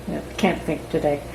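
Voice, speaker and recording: A middle-aged woman hosting a homestead vlog, chatting calmly and thoughtfully from her home kitchen. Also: low voice, creaky. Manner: calm, unhurried, thoughtful with pauses. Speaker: homestead channel host. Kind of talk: casual kitchen vlog chat. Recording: echoey room with noticeable background noise.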